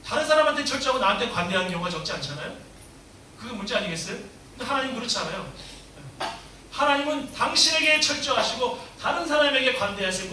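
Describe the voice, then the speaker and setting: A man with a high, piercingly bright voice preaches emphatically, asking his congregation one question after another. He sounds set back from the mic in a very echoey church hall, with a faint hiss underneath. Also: far from the mic. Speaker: pastor. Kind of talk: sermon.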